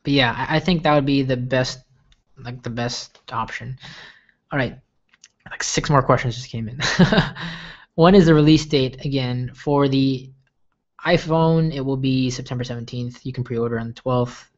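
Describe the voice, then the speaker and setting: A young man from the States fields viewer questions on a relaxed livestream, talkative and wandering, with frequent fillers and restarts. He has a medium-pitched voice and a moderate pace, captured on a muffled recording.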